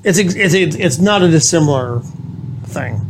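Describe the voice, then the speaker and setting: A man's voice: fairly high pitch, animated, moderate pace, a little hiss or hum. A man with a New England accent, co-hosting a casual chat and cracking sarcastic jokes. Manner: sarcastic, jokey, puts on voices. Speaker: co-host. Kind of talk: casual chat over drinks.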